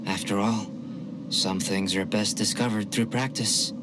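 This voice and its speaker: An actor playing a calm, scholarly young male alchemist in a video game, speaking in a measured, formal way. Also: on the low side, heavy background noise, lightly acted. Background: game music.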